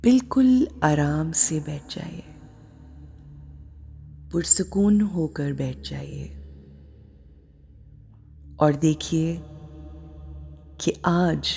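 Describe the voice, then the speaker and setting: A woman leading a guided meditation in a soft, soothing way, sometimes dropping to a whisper. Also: sits low, vocal fry, slight background noise.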